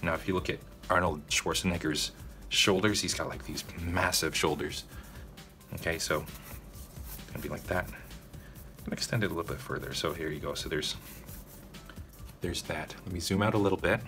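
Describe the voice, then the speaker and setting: A man's voice: low-pitched, normal speed, bright, forceful tone, soft background music. A man hosting a narrated drawing tutorial, talking casually to viewers and checking in with them often. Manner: casual, addresses viewers directly, frequent "okay?" check-ins.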